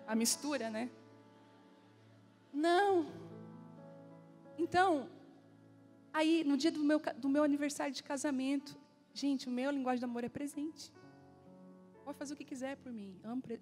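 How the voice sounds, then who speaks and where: A woman pastor in her forties preaches from the pulpit, with a high voice. She tells stories and acts out dialogue in lively bursts. Soft music plays faintly behind her. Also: brisk. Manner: animated storytelling with acted-out dialogue. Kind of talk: sermon. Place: church.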